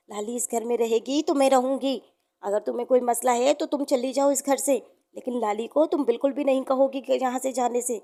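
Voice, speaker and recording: A woman's voice: sits high, warm tone. A woman voicing a poor, worried and protective mother in a children's story, plaintive and emphatic. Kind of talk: children's moral story character acting.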